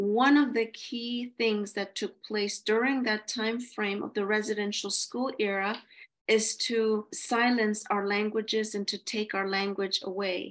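A woman at a fairly slow pace with a fairly high pitch, an ordinary speaking voice and fairly even intonation, over a quiet background. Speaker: First Nations prayer leader. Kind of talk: prayer meeting talk. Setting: online call.

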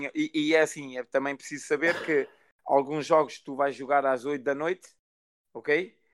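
A man speaks at a fairly high pitch and a moderate pace. His intonation stays fairly even. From France (Portuguese-born, raised in France from age 3). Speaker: basketball assistant coach. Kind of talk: interview. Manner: halting, many fillers and repetitions.

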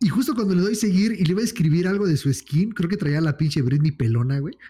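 Dark, mellow tone, lively intonation and a very fast pace. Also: man. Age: 20s. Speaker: streamer. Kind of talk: casual chat.

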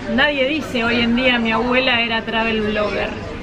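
The delivery is monotone and flat at a moderate pace. Crowd noise and audible room echo fill the background. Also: woman. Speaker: travel blogger. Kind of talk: casual chat. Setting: onboard cruise ship lounge.

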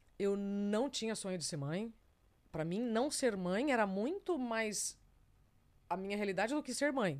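Lively intonation from a woman at a medium pitch, a fairly slow pace with long, frequent pauses, in a very clean recording with a silent background. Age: 40s. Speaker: journalist and speaker. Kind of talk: interview conversation. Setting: studio.

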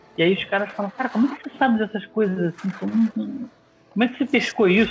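Moderate pace and ordinary pitch variation over background music. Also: man. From Rio de Janeiro, Brazil. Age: 40s. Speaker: skateboard graphic designer and skater. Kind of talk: casual interview chat.

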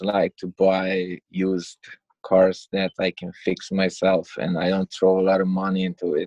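A man speaks with a strong Romanian accent. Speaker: full-time RV traveler. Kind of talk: casual interview.

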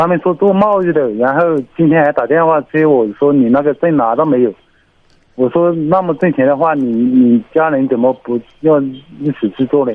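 Using an ordinary speaking voice, a man talks at a moderate pace with a fairly high pitch, ordinary pitch variation, and very even loudness. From Hunan, China. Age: 20s. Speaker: caller, former sales and factory worker. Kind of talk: phone-in advice call. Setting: phone call.

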